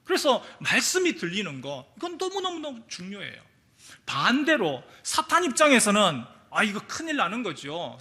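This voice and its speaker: Male pastor, sermon delivery; lively, swooping pitch, storyteller who acts out quotes. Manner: animated storytelling, acting out quotes. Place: church sanctuary.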